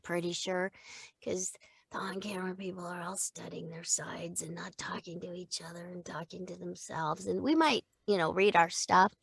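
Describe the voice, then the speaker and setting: An older woman, a voice actor, chatting about her work in an animated, laughing way from a recording booth. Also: fairly low pitch, moderate pace, gravelly, slightly rough, dry recording. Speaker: voice actor guest. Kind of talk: casual interview chat. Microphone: studio microphone.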